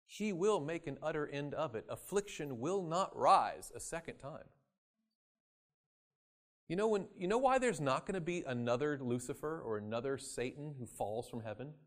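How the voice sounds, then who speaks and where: A man preaching a sermon, acting out quoted voices and swinging from loud emphasis to quiet asides. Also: fairly high pitch, lively intonation, normal speed. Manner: dramatic, acts out voices in quoted scripture.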